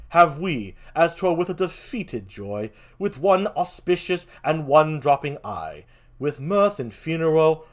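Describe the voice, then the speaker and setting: A man voicing a solemn, stately king in a theatrical Shakespearean style, declaiming in measured phrases with swelling emphasis. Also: on the high side.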